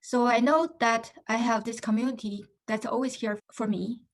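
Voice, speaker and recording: A woman's voice: a little high, fairly even intonation, normal speed. A woman from China with a Chinese accent, speaking English as a second language, giving an earnest testimonial with frequent fillers. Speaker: coaching student. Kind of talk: recorded testimonial.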